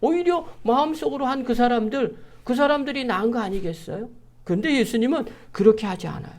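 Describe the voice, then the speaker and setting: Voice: mid-range voice, lively intonation, a little fast, a little mellow. A pastor giving an early-morning sermon, speaking earnestly and putting one rhetorical question after another to the congregation.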